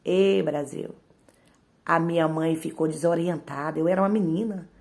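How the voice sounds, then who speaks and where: A woman's voice: deep voice, steady tone, fairly quick. A woman giving an emotional spoken testimony and speaking straight to her audience. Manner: emotional, repeatedly addresses the audience directly.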